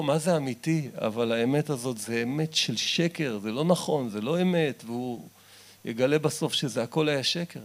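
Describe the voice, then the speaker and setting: A man giving a Hasidic sermon, impassioned and swinging between loud exhortation and soft, confiding talk. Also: mid-range voice, gravelly. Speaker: Breslov Torah teacher. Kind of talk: sermon reading and explaining Hasidic text.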